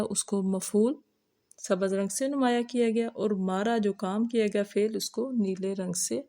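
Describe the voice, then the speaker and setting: A woman teacher who explains an Urdu lesson to other teachers and recites verses slowly. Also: medium pitch, vocal fry, mellow. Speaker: teacher trainer.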